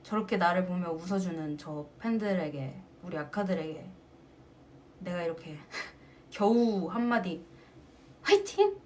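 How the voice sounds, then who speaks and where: A woman's voice: fairly low pitch, measured pace, a little hiss or hum. A woman singer casually chatting with her fans on a livestream, telling stories with frequent laughter, recorded on a phone mic. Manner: animated storytelling, often breaking into laughter. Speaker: singer hosting a fan livestream.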